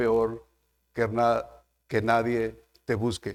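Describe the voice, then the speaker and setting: A man is speaking. His pace is very slow. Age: 60s. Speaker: pastor. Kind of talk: sermon. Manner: halting.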